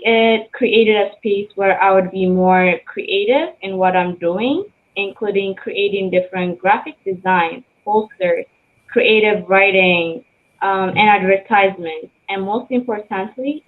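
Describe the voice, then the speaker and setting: A woman's voice: mid-range voice, measured pace. Young woman from Ethiopia, student archivist, careful read-aloud speech, tinny phone-quality audio. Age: young adult. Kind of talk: prepared speech.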